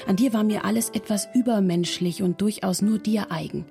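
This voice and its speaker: A woman's voice: mid-range voice, brisk, creaky, dark tone, faint music behind, close to an everyday voice. A woman playing a fond, witty nineteenth-century letter writer, reading expressively in an eloquent, intimate manner. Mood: devoted.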